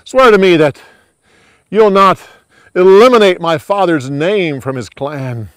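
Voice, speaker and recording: A man's voice: high voice, lively intonation, a little slow, fairly bright tone, dry recording, clean studio sound, pitched above the performer's own voice. A man voicing a remorseful king who humbly begs the young hero in a Bible story. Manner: remorseful, imploring.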